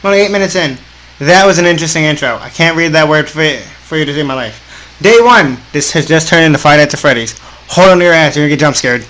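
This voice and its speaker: A man's voice: fairly high pitch, fast, fairly bright tone, a little hiss or hum, low-quality recording. A man doing let's play commentary and reading game text aloud, stumbling over words at times, with playful reactions. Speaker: let's player. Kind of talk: gaming commentary with visual novel read aloud.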